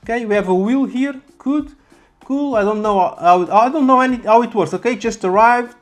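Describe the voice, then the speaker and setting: A vlogger giving casual, halting unboxing commentary and often repeating words. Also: mid-range voice. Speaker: YouTube vlogger. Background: background music.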